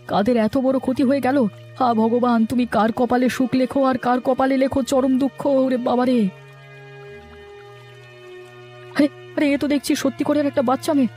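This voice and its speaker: Guy doing a kind poor fisherman for a cartoon, soft dark tone, music behind. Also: very high voice. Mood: shocked, pitying. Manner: earnest, exclamatory. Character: poor, tender-hearted fisherman husband. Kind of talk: cartoon story dialogue. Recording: music under the voice.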